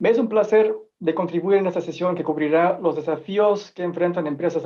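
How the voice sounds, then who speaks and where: With fairly even intonation, a man with a high voice speaks at a fairly quick pace. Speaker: business account manager. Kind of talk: webinar presentation. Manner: hesitant, many fillers.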